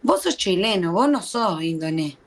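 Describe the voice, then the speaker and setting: A woman's voice: fairly low pitch, expressive, normal speed. A woman from Argentina with an Argentine accent, chatting bluntly and teasingly with a stranger on a video call. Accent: Argentine Spanish. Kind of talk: casual video chat.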